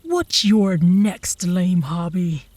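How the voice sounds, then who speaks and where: A woman's voice: on the low side, expressive, extremely slow, darkish tone, dry recording, heavily acted. A woman playing a cocky, possessive young female werewolf who taunts her rival smugly in a comedic ASMR roleplay. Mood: smug, taunting. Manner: smug, taunting.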